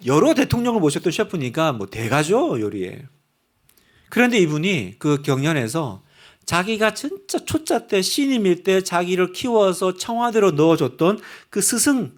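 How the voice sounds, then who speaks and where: A male pastor giving a sermon in a church, telling a story with animation and building to fervent exhortation. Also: a little high. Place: church sanctuary.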